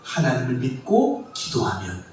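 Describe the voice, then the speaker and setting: A man's voice: mid-range voice, huge pitch swings, moderate pace. A male pastor preaching a sermon, asking the congregation questions and leading them in reading scripture aloud together. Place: church sanctuary. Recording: distant echoey church hall with faint room noise.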